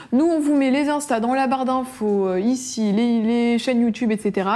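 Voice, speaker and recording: A woman speaks in a plain, everyday voice with ordinary pitch variation. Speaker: podcast interviewer and content creator. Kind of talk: casual chat.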